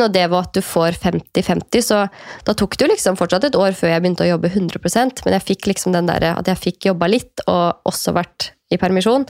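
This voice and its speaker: A woman in her thirties with a low voice, chatting in a relaxed, reflective way. Her voice has a gravelly edge. The recording is dry and close. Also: no echo. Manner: reflective, many fillers and quoted inner thoughts. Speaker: guest. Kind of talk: casual conversation.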